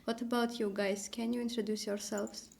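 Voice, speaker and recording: A young woman, co-hosting a studio podcast and speaking haltingly in simple phrases. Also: on the high side, little pitch movement, vocal fry, a little mellow, a little hiss or hum. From Armenia. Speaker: podcast co-host. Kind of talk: casual podcast chat. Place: small studio.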